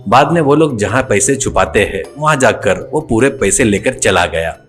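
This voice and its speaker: A man narrating a cartoon folk tale in a steady, plain storytelling voice. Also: mid-range voice, moderate pace, soft background music.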